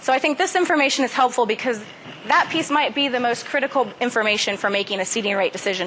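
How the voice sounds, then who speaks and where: Over noticeable background noise, a woman talks at a very fast pace. Her intonation is lively. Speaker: agricultural extension specialist. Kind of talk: conference presentation. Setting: conference stage with audience. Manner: stumbling, self-correcting.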